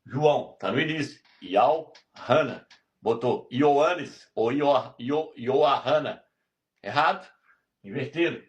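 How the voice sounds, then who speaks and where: A man's voice: mid-range voice, lively intonation, takes it slowly. A man teaching Bible lessons on a live stream, emphatic and repetitive, often checking that his listeners follow. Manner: emphatic, repetitive, keeps asking "tá vendo?". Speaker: religious teacher.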